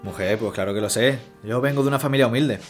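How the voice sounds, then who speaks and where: A man's voice: medium pitch, fast talker, faint music behind, natural voice. An actor playing a confident, flirtatious man of humble origins with a Spanish accent in an audio drama. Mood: confident, coaxing.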